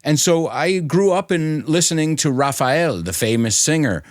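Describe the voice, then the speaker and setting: Middle-aged US-raised man, bilingual guest, animated and chatty, close dry mic. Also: a little high, moderate pace, dry recording. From United States. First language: bilingual English and Spanish. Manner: animated, chatty, laughs often, many fillers. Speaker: ESL educator and podcast host, guest. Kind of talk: casual interview talk.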